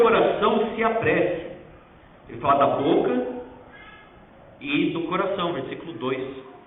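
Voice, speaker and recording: Amid noticeable background noise and audible room echo, a man talks at a fairly slow pace with long, frequent pauses, very wide pitch swings and big swings in loudness. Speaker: pastor. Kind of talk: sermon.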